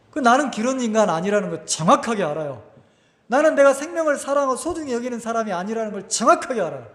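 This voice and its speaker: A man preaches a lively, conversational sermon, his voice sitting high and leaping widely in pitch. He keeps asking the congregation questions. The recording carries a long, roomy church echo. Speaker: pastor. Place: church sanctuary. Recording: echoey church hall.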